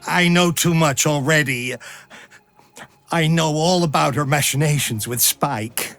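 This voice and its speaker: High, tense, panicky mercenary. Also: male voice, measured pace, creaky, a bit bright, soft background music. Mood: wary, rambling. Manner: frantic, exclamatory, wary. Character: panicky, talkative, cowardly mercenary man. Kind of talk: dramatic video game acting.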